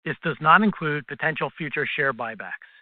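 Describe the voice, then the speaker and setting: A man, a company finance executive, formally reading prepared earnings call remarks in a measured way over a conference line. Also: fairly high pitch, dry recording. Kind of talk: scripted earnings call presentation. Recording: tinny, dry phone conference line.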